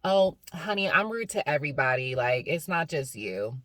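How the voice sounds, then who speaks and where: A woman's voice: sits low, sing-song, moderate pace, a bit bright, no echo. A woman voicing a rude older lady who turns overly polite, in a raised, sugary tone.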